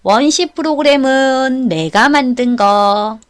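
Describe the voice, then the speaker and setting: A woman's voice: high-pitched, slow pace. A woman instructor giving a step-by-step explanatory lecture, checking in with listeners through short questions. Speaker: instructor of a certification exam course.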